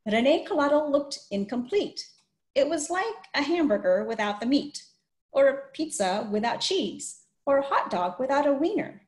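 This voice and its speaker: A woman's voice: high voice, big pitch swings, moderate pace, darkish tone. A middle-aged woman hosting a picture book read-aloud over a video call. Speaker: host reading a children's book. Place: plain small room, indoors. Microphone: video call computer microphone. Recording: roomy, echoey video call.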